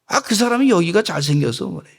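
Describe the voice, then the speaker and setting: A man's voice: high voice, big pitch swings, a little fast, gravelly. A male pastor giving a sermon, joking with the congregation and having them repeat phrases after him. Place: church sanctuary. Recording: echoey church hall.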